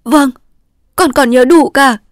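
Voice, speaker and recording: Audiobook role: a woman playing a tearful little girl with shrill, sobbing cries. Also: slow, no echo, clean studio sound. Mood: tender. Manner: high cries. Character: small young girl, frantic and tearful.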